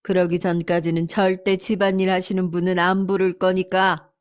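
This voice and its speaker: A woman's voice: lowish voice, level tone, normal speed, clean tone, natural voice. A woman playing a stern scolding mother-in-law. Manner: firm, scolding.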